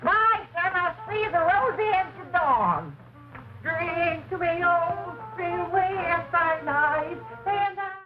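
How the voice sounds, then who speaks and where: A woman's voice: fairly high pitch, lively intonation, a little slow. An actress playing a fussy older mother who doses herself with tonic, in a drawling, theatrical way. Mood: sarcastic. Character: fussy hypochondriac old mother, tipsy on tonic. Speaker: hypochondriac mother. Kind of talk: 1960s film comedy acting. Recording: muffled old film soundtrack with music.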